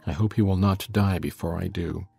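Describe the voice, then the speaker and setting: A sullen, vengeful youth acted by a man speaks gravely in a low, creaky, dark voice. It is a storybook drama, brooding and deliberate. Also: fairly even intonation, faint music behind, full character voice. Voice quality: gravelly, husky.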